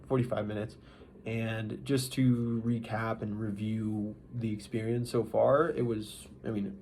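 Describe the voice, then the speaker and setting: A man giving a casual, unscripted vlog recap, speaking in a halting, rambling way with mid-thought restarts. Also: mid-range voice, a little mellow. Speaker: vlogger. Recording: noisy ambient background.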